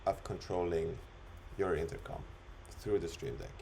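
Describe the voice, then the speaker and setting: A man talking through an unscripted screen-recorded software demo, explaining it step by step in an instructional way. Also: low-pitched, fairly even intonation, moderate pace, creaky, slight background noise. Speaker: software demonstrator.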